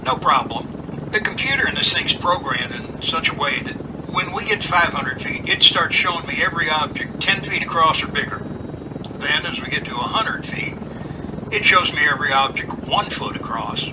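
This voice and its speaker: A man playing an unruffled, teasing pilot in an amateur radio drama, confident and relaxed in his banter. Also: a little high, moderate pace, background noise, natural voice.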